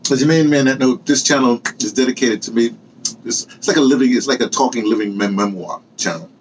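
A man in his sixties with a husky voice talks casually to camera, wandering between asides and correcting himself as he tells his story. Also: mid-range voice, quick pace, slight background noise, low-quality recording. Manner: digressive, self-correcting storytelling. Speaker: host of a personal memoir channel, audio dramatist. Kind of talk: casual rambling monologue to camera. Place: small indoor room with bookshelves and hung clothes.

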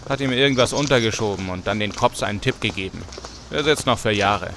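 A man's voice: lowish voice, brisk, close to an everyday voice. Streetwise man played by an actor, noisy background. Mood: matter-of-fact. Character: cocky, teasing, streetwise buddy. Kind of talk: German radio play dialogue.

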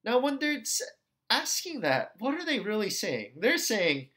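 A man teaching an ethics lesson in a relaxed, conversational way, often checking in with his listeners. His pitch swings widely and expressively. He drops into different tones as he acts out the questions he quotes. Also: unhurried. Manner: conversational, checks in with "okay" and "right". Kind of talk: recorded lecture video.

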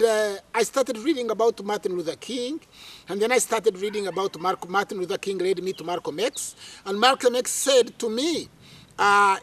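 Sitting outdoors under a tree with a lapel mic, a middle-aged Ugandan guest tells his life story in an interview, dramatically and animatedly, with many fillers. His voice is extremely high-pitched.

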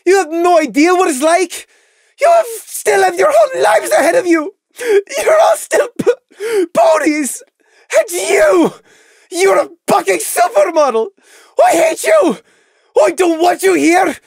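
A woman's voice: very high-pitched, sing-song, measured pace, a little mellow, no echo, pitched above the performer's own voice, heavily acted. A woman voicing a bitter, despairing young female pony in an audio story, ranting tearfully and spitefully. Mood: hysterical rage.

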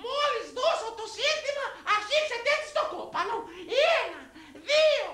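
A woman playing an old village mother-in-law, shrill and commanding. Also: animated, bright, forceful tone, roomy sound, full character voice.

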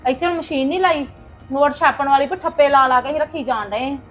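A middle-aged woman playing a sharp-tongued village mother who rants loudly and fast. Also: high voice, soft background music. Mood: scolding. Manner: rapid scolding rant, loud. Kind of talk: family comedy-drama skit.

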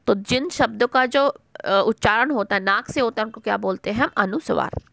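A middle-aged woman teaches children a language lesson, slow and patient, often repeating herself and answering her own questions. Her voice sits fairly high but has a gravelly edge. The sound is dry and close, with no room around it. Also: a bit bright, no room sound. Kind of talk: online Hindi lesson for children.

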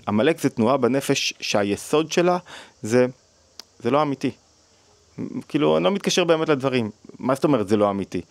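A man's voice: mid-range voice, darkish tone, dry recording. A man giving a thoughtful teaching talk on psychology, often asking questions and restarting sentences. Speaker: psychology lecturer on the weekly Torah portion.

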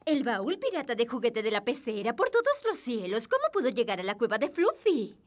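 A woman with a Latin American accent voicing a gentle, orderly schoolteacher in a children's cartoon, coaxing her class. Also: fairly high pitch, big pitch swings, fairly quick. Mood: gently instructing.

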